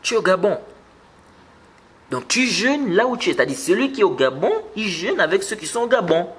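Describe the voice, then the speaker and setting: With a high, bright voice that swings widely in pitch, the Islamic teacher moves briskly through his religious lesson. He explains patiently, says words more than once, and climbs in pitch to emphasize key ideas.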